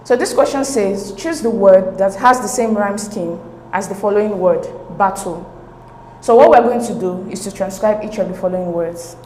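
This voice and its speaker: A woman teaching an exam-prep lesson at a middling pitch. She reads each question aloud and explains the answers in a steady, methodical way. Her voice rings in an echoey room with a faint hum behind it. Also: normal speed. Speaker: teacher and channel host.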